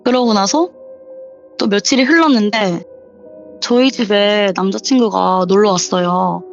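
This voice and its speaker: A young woman in a casual interview, chattily telling a true horror story and acting out the quoted lines with sudden rises in pitch. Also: a little slow, creaky. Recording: dull lo-fi sound with faint background music.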